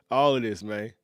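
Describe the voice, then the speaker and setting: Relaxed man reacting, dry sound. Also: on the low side, dry recording. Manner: relaxed, conversational, agreeing, chuckles often. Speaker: reaction video host. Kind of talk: casual reaction commentary.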